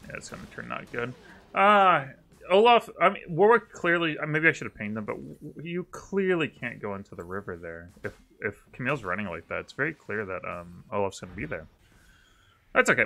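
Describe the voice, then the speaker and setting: The loudness rises and falls in big swings. A man delivers it at a fairly quick pace. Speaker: game streamer. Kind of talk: gameplay commentary. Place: home room. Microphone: studio mic.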